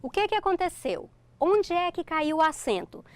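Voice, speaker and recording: A middle-aged Brazilian woman with a Brazilian Portuguese accent teaches a recorded online grammar lesson. Her voice is extremely high with big pitch swings, at a moderate pace on a dry recording, and she explains step by step, checking in with "ok?" again and again.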